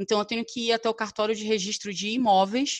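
Fairly high-pitched woman's voice, an unremarkable speaking voice, at a fairly quick pace against a quiet background. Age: 30s. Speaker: intellectual property lawyer. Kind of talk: interview.

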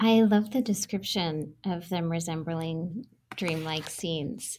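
A woman's unremarkable speaking voice, fairly low in pitch, in a very clean recording with a silent background. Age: 20s. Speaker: painter. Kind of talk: interview.

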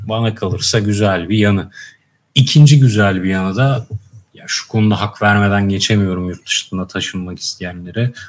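Speaking at a moderate pace, a man with a fairly low pitch and an unremarkable speaking voice shows big swings in loudness. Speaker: podcast co-host. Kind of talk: casual chat.

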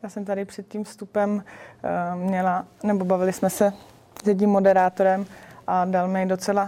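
This woman's voice has a dark, mellow tone and a medium pitch. Her delivery is monotone and flat, at a moderate pace. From Czech Republic, Přerov nad Labem (Central Bohemia). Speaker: footballer. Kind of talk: interview. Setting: studio.

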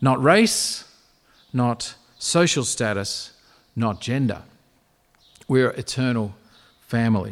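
With an Australian accent, a man talks at a very slow pace with long, frequent pauses on a very clean recording with a silent background. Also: medium pitch for a man, ordinary pitch variation. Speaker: pastor. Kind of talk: sermon.

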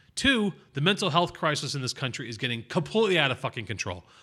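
In a very clean recording with a silent background, a man with an American accent talks very fast in a fairly high, bright, sharp voice with vocal fry and very wide pitch swings. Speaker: ER nurse. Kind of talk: angry rant about staffing and COVID rules, profanity-laden. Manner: fired up, exasperated, sarcastic.

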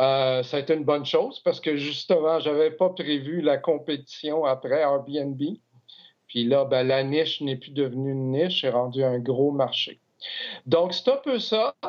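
An ordinary speaking voice belongs to a man of fairly high pitch who speaks at a fairly slow pace with fairly even intonation. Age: 60s. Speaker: real estate broker. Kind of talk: interview.

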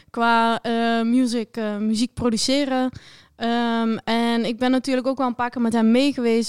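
Speaking in a Limburg accent, a woman keeps a moderate pace at a fairly high pitch. The recording is very clean, with a silent background. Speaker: DJ and producer. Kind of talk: casual chat.

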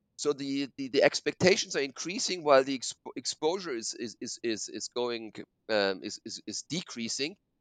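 Big swings in loudness mark this moderately paced delivery with a German accent. The intonation is lively. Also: man, fairly high pitch for a man. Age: 50s. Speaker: neurosurgeon. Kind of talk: interview. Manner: halting.

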